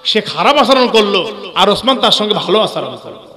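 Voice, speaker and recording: A man preaching a sermon, telling a story with animated acted-out dialogue and urging the crowd to cheer. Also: sits high, fast, long reverb tail, background noise. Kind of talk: sermon storytelling at a religious gathering.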